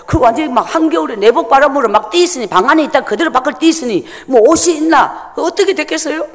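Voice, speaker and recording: A woman's voice: high-pitched, animated, fast talker. A woman giving a personal testimony at a church service, telling her story vividly and emotionally. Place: church sanctuary. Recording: long church-hall reverb.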